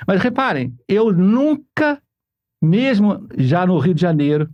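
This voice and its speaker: A man's voice: high voice, big pitch swings, slow, no room sound, highs cut off. A man from Portugal, a podcast guest, explaining Catholic parenting earnestly and repeating his points for emphasis. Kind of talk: podcast conversation.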